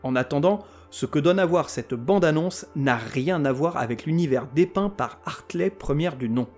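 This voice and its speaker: A man with a fairly high speaking voice hosts a scripted comic podcast about television. He rants with sarcasm and crude language, working himself into mock outrage between plain stretches of review. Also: lively intonation, moderate pace, soft background music. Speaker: podcast host.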